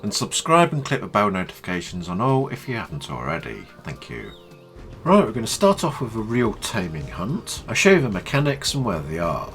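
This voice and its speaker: A man with a stuffy nose from a cold, explaining a video game in a chatty, low-key tutorial. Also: huge pitch swings, fairly quick, a bit bright, faint music behind. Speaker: gaming channel host.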